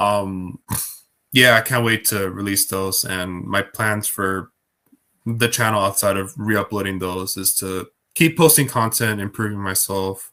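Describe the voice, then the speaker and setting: A man with an American accent speaks at a fairly slow pace in a bright, sharp tone, with fairly low pitch and ordinary pitch variation. The recording is very clean, with a silent background. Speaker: online content creator. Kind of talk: interview. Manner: hesitant, many filler words.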